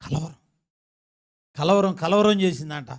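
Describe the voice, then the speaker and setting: High-voiced male pastor preaching emphatically. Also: unhurried. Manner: call-and-response questions to the congregation, emphatic repetition. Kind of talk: sermon.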